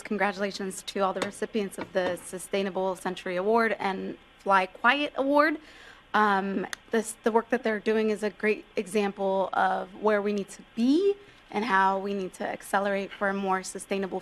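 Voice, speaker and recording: A woman's voice: mid-range voice, moderate pace, low-quality recording. Polite, questioning female commissioner. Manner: polite, inquisitive. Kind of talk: formal meeting remarks and questions.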